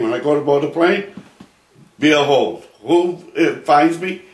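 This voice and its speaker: Audible room echo surrounds this man's voice. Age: 80s+. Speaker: elderly marijuana activist. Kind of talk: casual storytelling. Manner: animated.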